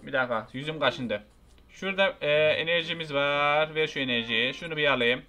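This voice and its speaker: A young man giving excitable, frustrated gameplay commentary, shouting at the characters on screen. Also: on the high side, brisk, faint music behind. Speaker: gaming YouTuber.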